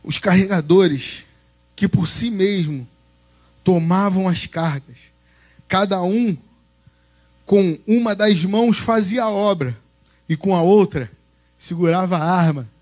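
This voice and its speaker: A man preaching a sermon in a church, reading scripture slowly and then breaking into loud exhortation. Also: sits high.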